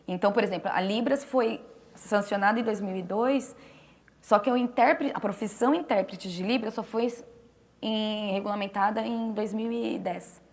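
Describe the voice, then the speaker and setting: A woman interpreter explaining in a relaxed conversational way, restarting phrases and pausing as she talks. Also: mid-range voice. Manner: explanatory, with frequent restarts and fillers. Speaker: sign language interpreter.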